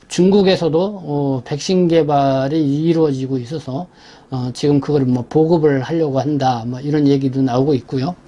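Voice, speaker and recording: A man hosting a news briefing, going through stories in an explanatory, halting way and often correcting himself. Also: a little high, warm tone. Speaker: host presenting a community newspaper's issue. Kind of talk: semi-scripted spoken news briefing, page by page.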